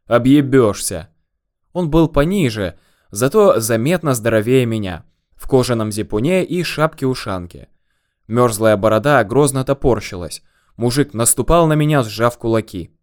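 A man narrating a first-person story in a calm, deadpan way. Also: medium pitch, moderate pace.

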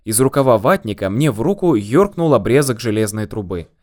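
A man narrating a first-person story in a calm, deadpan way. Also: mid-range voice, fairly quick.

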